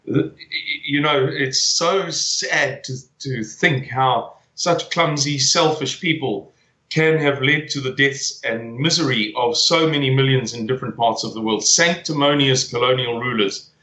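A man's voice: mid-range voice, a little slow, pushed and bright, roomy sound, rough recording. A man in his forties from South Africa, talking as a guest in a conversational interview, often hesitating and repeating words as he searches for them. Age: 40s.

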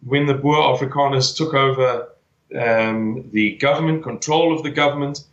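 A man's voice: mid-range voice, moderate pace, roomy sound, lo-fi sound. A man in his forties from South Africa, talking as a guest in a conversational interview, often hesitating and repeating words as he searches for them. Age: 40s.

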